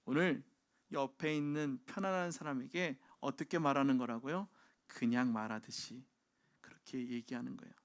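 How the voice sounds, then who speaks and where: A man's voice: mid-range voice, normal speed. A man preaching a sermon as pastor, telling everyday stories and acting out the voices of children, parents and neighbours. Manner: animated storytelling, acting out everyday dialogue in varied voices. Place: church sanctuary.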